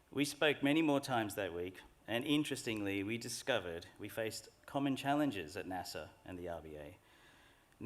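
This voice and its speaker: A middle-aged man speaks in a fairly low voice. He delivers a formal graduation address at a lectern in a large hall, unhurried, earnest and reflective. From Australia.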